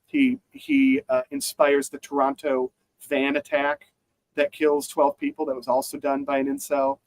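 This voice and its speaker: A man's voice: a little high, measured pace, no echo, rough recording. Rambling man on a dry close mic. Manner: rambling, many fillers and restarts. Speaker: podcast co-host. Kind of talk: casual news chat.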